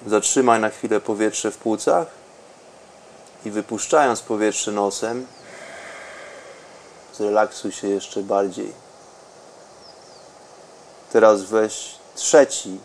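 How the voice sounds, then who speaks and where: A man speaking in a calm, unhurried, soothing way with long pauses, as a podcast host and meditation guide. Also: fairly low pitch, creaky, slight background noise, rough recording.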